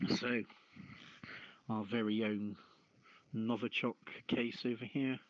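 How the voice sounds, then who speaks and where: Slow, deep-voiced man on dull audio. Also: steady tone, no room sound. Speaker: host of an online talk show. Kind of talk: reading news aloud and casual chat.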